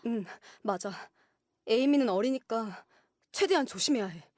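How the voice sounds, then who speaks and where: An earnest young woman in an audio drama, played by a voice actress, devoted and full of worry as she cares for a sick sister. Her voice sits a little high and is recorded close and dry, with her feelings laid open. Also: lively intonation, moderate pace, darkish tone, dry recording, natural voice. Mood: resolved.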